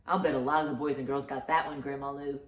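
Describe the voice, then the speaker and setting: Her voice is very deep, with fairly even intonation and a quick pace, as she poses riddles and reads to little kids as a storytime host. She cheers them on and overreacts to every answer, all in a roomy, echoing space.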